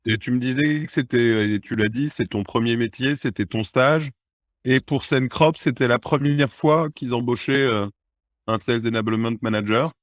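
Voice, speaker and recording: A man hosting a podcast, opening with a scripted intro and then asking a guest questions in a relaxed way. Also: medium pitch, moderate pace, dry recording, studio quality. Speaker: podcast host.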